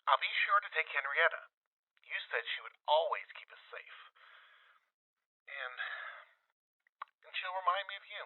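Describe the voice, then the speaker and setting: A grieving wasteland father recording a log for his child. The voice is husky and swings gently up and down, halting and tender with fragile hope. It comes through a thin, tinny recorder in an audio drama. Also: on the high side, expressive, dry recording. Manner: halting, tender, sometimes dropping to a whisper. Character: grieving, hopeful father, a wasteland wanderer leaving audio logs. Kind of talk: full-cast audio drama, in-world audio log.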